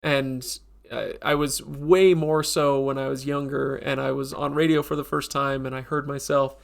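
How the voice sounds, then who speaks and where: Nasal, stuffed-up man with gravelly voice. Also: medium pitch, little pitch movement, moderate pace. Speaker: podcast host. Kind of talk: casual live-stream chat.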